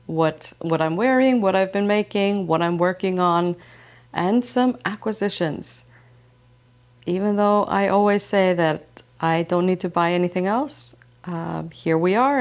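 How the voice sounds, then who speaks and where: A woman from Iceland hosting a slow-living knitting podcast, speaking calmly and gently, first in reflective narration, then in casual chat. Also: lowish voice. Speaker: podcast host. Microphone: wireless transmitter mic.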